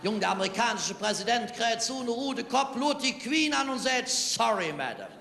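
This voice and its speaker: Carnival comic, Cologne accent, sharp high voice, echoing hall with long reverb. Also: male voice, fairly even intonation, gravelly, slight background noise. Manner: tall-tale storytelling with quick punchlines. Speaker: carnival comedian. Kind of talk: carnival stage routine. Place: large carnival hall stage.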